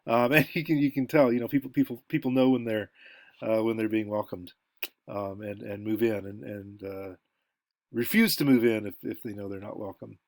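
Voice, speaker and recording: A man's voice: on the low side, steady tone, normal speed. An American man giving an informal lecture, talking in a conversational way and thinking aloud with asides. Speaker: college lecturer.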